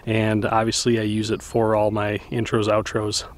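A man's voice: on the low side, moderate pace. Man explaining gear on a boat. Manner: relaxed, rambling with fillers and restarts. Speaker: fishing channel host. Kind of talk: casual gear walkthrough. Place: outdoors on a boat on a lake. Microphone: camera-mounted shotgun mic.

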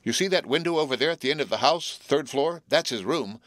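A man's voice: mid-range voice, animated, a little fast, fairly bright tone, no room sound, pitched above the performer's own voice, close to an everyday voice. A man voicing a stout hotel keeper who anxiously warns against danger. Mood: alarmed. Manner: anxious, pleading.

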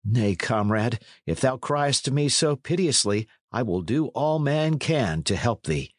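A man's voice: mid-range voice, expressive, a little slow, no echo, clean studio sound. A man voicing a blunt, kindly young adventurer in a storybook, with hearty archaic speech. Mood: earnest, pitying. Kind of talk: storybook character reading.

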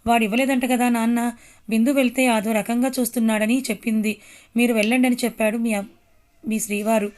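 A woman's voice: fairly high pitch, flat delivery, a little fast, a little mellow, lightly acted. A woman voicing an older mother-in-law who speaks reassuringly to her daughter-in-law.

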